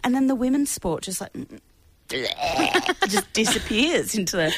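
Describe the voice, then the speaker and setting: A woman's voice: on the high side, unhurried, noisy background. An Australian woman hosting a radio show, chatting casually and giggling easily. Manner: giggly and animated. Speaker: radio host.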